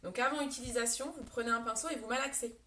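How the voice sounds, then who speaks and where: A woman's voice: on the high side, quick pace, pushed and bright, reverberant, distant mic, a little hiss or hum. A woman giving a casual live makeup tutorial, chatting to viewers by name and explaining each step. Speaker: beauty product seller doing a live makeup demo.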